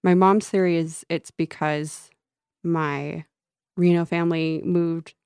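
A woman's voice: fairly low pitch, fairly even intonation, slow pace, a little mellow, clean tone, dry recording, studio quality. A woman with a slight Midwestern accent co-hosting a podcast in casual chat, laughing often and playing with word sounds, a faint whistle from her braces. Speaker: podcast co-host. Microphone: studio microphone.

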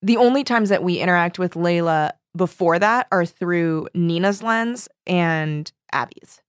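Woman, lower-pitched voice, dry close recording, casual book discussion, slangy, conversational. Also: measured pace, clean tone, no echo. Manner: informal, slangy, peppered with 'like' and quoted reactions. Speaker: book discussion show co-host.

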